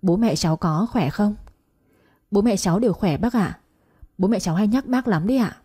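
A woman puts on an elderly mother, tearful and emotional, in a mellow, breathy tone. The voice stays soft and warm, with a husky edge. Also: mid-range voice, moderate pace, natural voice.

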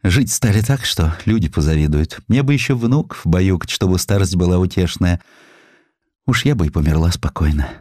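A man's voice: deep voice, normal speed, darkish tone, no room sound, clean studio sound. A man voicing a humble, pious ageing widow in an audiobook, with a folksy, prayerful way of talking. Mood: grateful.

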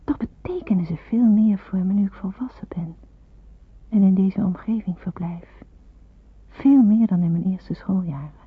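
An actress playing an earnest, devout young Jewish woman in hiding, speaking her reflections slowly in a hushed, breathy radio-drama monologue. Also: medium pitch. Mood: pensive, reverent. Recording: muffled roomy phone-like old radio recording.

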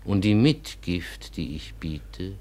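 A man's voice: deep voice, sing-song, a little mellow, exaggerated voice. A man playing a dignified, devout, wealthy older Arab merchant in a radio drama, speaking ceremoniously and persuasively. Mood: courtly, persuasive. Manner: ceremonious, measured, flowery formal speech. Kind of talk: literary radio drama acting.

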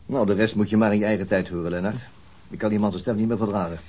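An actor playing a weary, brusque and dogged police detective, talking conversationally in a radio crime drama. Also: male voice, fairly low pitch, steady tone, racing, mellow, a little hiss or hum, natural voice. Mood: weary, disappointed. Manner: brusque, world-weary, argumentative.

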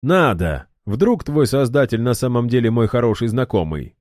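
A man's voice: mid-range voice, sing-song, a little mellow, no echo, clean studio sound, voice pushed up, close to an everyday voice. A man voicing a hot-tempered young fighter who taunts and snaps at his foe in a raised voice. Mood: brash. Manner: sarcastic, taunting, quick to anger.

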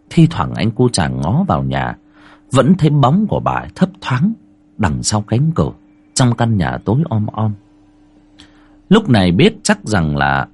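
A man with a husky voice narrating a horror story in an expressive, rising and falling way. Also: fairly low pitch. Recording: soft music underneath.

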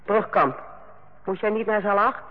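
An actress playing a stern, sarcastic head nurse who lectures and bites in a Dutch radio play. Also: female voice, medium pitch, measured pace, lightly acted. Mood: mocking. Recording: muffled old radio play recording.

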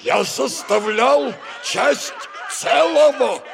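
An actor playing a pompous, indignant old general who speaks in a stiff, formal way in a radio play. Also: male voice, very high-pitched, animated, drawn-out words, vocal fry, noisy background, heavily acted.

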